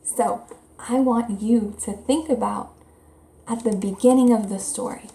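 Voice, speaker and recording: A woman teacher reading a children's story aloud expressively and pausing to explain and ask questions in simple, child-directed language. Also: medium pitch, fairly even intonation, creaky, warm tone. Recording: roomy, echoey indoor sound.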